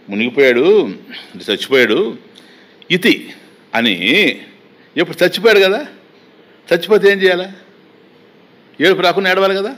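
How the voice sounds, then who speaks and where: A man gives a spiritual discourse. He chants verses slowly and then turns to his listeners and explains them plainly, in a voice of middle pitch. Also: a bit bright. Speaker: Vedanta teacher.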